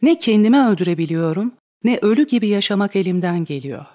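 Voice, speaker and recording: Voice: mid-range voice, expressive, fast talker, warm tone, close to an everyday voice. Reader doing a young woman, lovesick, desperate, pleading, crying out, stage-play reading. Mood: despairing. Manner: pleading, crying out in rising outbursts.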